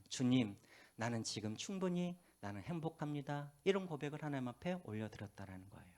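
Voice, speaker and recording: Animated male pastor preaching. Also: on the high side. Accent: faint Jeolla. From Korea, Gwangju. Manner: animated storytelling, drops to hushed asides. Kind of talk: sermon. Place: church.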